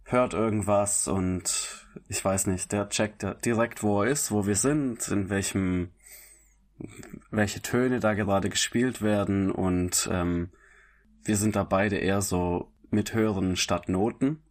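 A man who sings, with a raspy, smoky voice, talking in a relaxed interview and often correcting himself with small laughs. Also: on the low side, takes it slowly. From grew up bilingual German-Italian. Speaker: singer, interview guest.

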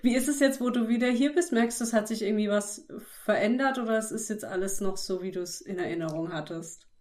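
Friendly woman interviewer, medium pitch. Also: a little mellow. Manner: friendly, encouraging, quick to laugh. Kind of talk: casual interview chat.

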